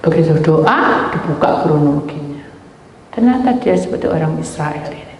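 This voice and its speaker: A woman pastor preaches in a fairly low voice, acting out her stories as she goes. She swings from loud, high exclamations to quiet asides. The sound comes from an echoing hall with a long reverb tail. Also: lively intonation, normal speed, slight background noise. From Indonesia. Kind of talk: sermon with acted-out anecdotes.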